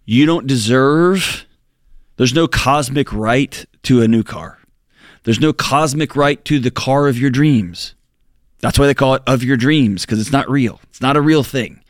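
A man's voice: measured pace, no room sound, clean studio sound. A man in his forties co-hosting a talk show, speaking in an earnest, reflective way with emphatic outbursts. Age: 40s. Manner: earnest, reflective, emphatic with sudden jumps in pitch. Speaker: co-host. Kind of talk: casual podcast discussion.

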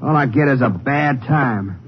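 A young cowboy prizefighter played by a man, surly and worn out, speaks with an in a middle-pitched voice. It is old radio drama, muffled and noisy. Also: unhurried, lightly acted. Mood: irritated. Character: weary, hot-tempered young male cowboy prizefighter. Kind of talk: 1950s radio western acting.

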